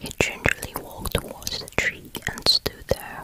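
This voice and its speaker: The speaker is whispering at a fairly slow pace. Noticeable background noise is present. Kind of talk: ASMR whispered story reading. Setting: close-mic home recording. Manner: whispered, up close.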